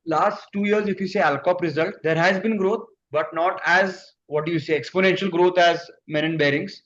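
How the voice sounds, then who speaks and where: A man's voice: high-pitched, steady tone, moderate pace, fairly bright tone. A man with an Indian accent, a company executive answering investors on an earnings conference call. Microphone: conference call line. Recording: muffled conference call, background noise.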